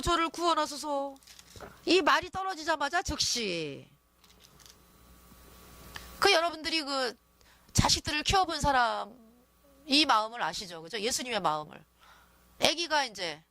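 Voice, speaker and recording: A woman's voice: high voice, bright, forceful tone, dry recording. A woman preaching a sermon in a conversational way, often asking the listeners to agree with her.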